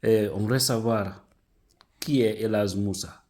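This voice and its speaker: Man, interviewer, polite, hesitant fillers, low voice. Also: fairly even intonation, measured pace, darkish tone. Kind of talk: interview questions.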